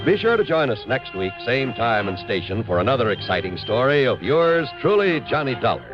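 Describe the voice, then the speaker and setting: A man's voice: mid-range voice, big pitch swings, brisk. A man announcing in a polished, dramatic 1950s radio announcer style, reading credits and introductions. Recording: dull vintage radio broadcast, loud music behind. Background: loud music.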